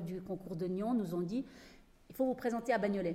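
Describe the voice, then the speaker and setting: Medium in pitch with ordinary variation, a woman's voice sounds dark, mellow and somewhat breathy. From Switzerland, Neuchâtel. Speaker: choreographer. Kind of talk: public talk.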